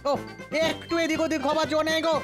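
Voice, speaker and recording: An actor playing a fussy, stammering palace cook in a cartoon, with music playing behind. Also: male voice, very high-pitched, completely flat delivery, quick pace. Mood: bustling.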